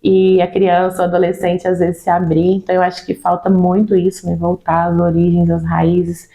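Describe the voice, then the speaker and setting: A woman's voice: lowish voice, monotone, moderate pace, creaky, mellow, poor audio. A Brazilian woman speaking about children's ministry in an earnest, insistent way, often adding "né". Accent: Brazilian Portuguese. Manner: earnest, repeats words and tags with "né". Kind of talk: casual interview conversation.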